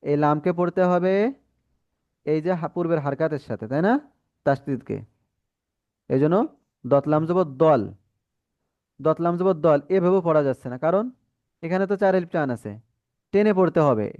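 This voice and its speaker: A man with a Bangladeshi accent teaching Quran reading in an online class, patiently correcting students and modelling drawn-out syllables. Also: a little high, expressive, darkish tone, dry recording, dull audio.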